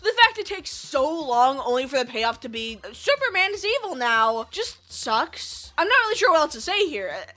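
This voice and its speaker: A woman's voice: high-pitched, fairly bright tone. A woman hosting a scripted countdown review, conversational, with sarcastic asides. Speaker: video host. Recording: music behind the voice. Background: background music.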